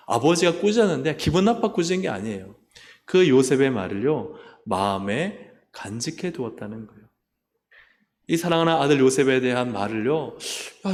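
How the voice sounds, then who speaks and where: Guy pastor preaching, asks the congregation stuff, big church hall echo on the mic. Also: medium pitch. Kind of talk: sermon. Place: church sanctuary. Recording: long reverb of a church hall.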